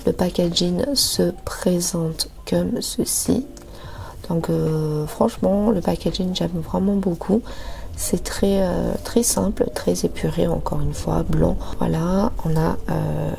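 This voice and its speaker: Slow, gravelly-voiced French nail vlogger woman. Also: on the low side. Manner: hesitant, many fillers, soft asides half-whispered. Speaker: nail artist reviewing products. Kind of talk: product review and tutorial voice-over.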